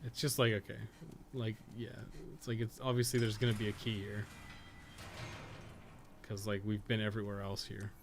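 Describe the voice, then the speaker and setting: A man's voice: on the low side, normal speed, pauses often. Rambling man with noisy background. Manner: rambling, thinking aloud, swears casually. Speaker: podcast co-host playing a game. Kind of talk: casual gameplay commentary. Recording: clear steady background noise.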